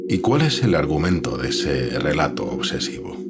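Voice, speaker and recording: A man playing a writer's calm, inquisitive editor and friend in an audio drama. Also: very deep voice, normal speed, loud music behind the voice, heavily acted. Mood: curious.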